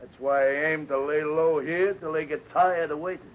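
An actor playing a menacing escaped convict in a radio adventure, with sneering, slangy tough talk. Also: male voice, a little high, fairly even intonation, normal speed, natural voice. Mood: hard, threatening. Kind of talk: 1950s radio adventure acting. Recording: muffled, noisy 1950s radio recording.

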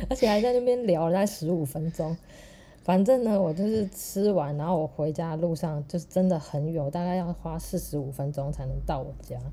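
Fast-talking Taiwanese woman telling a story. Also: sits low, slight background noise. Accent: Taiwanese Mandarin. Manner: animated, laughs through her story. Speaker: podcast co-host. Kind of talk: casual storytelling chat.

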